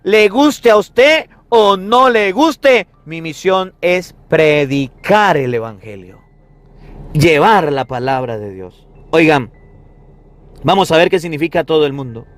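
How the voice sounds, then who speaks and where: A man's voice: on the high side, lively intonation, slow. A man in his thirties preaching as a Catholic priest, emphatic and repetitive, driving his points home with rhetorical questions. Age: 30s. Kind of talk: sermon on the Gospel.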